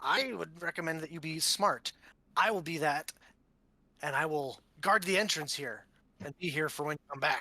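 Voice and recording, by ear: A squeaky, put-on character voice sits at a middle pitch. It moves at a moderate pace with long, frequent pauses.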